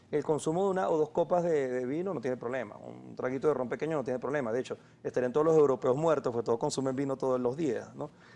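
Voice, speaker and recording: Speaking at a very fast pace with hardly any pauses, a man uses a medium pitch and ordinary pitch variation. His tone is dark and mellow. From Venezuela, Trujillo state (Andes). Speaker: cardiologist; guest. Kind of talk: TV health interview. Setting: TV studio. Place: studio. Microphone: lapel.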